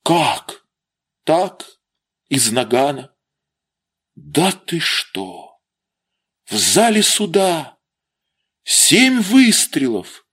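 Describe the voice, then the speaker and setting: A man voicing a worried, tender mother who asks her son anxious, hushed questions. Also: on the high side, very animated, extremely slow, pauses often, breathy edge, voice pushed up, heavily acted. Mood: shocked.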